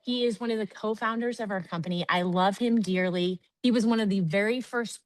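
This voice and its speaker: A woman's voice: medium pitch, a little fast, dry recording, poor audio. Chatty woman giving a sales pep talk. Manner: energetic, chatty, addresses audience as guys. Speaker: network marketing trainer. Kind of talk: motivational training talk.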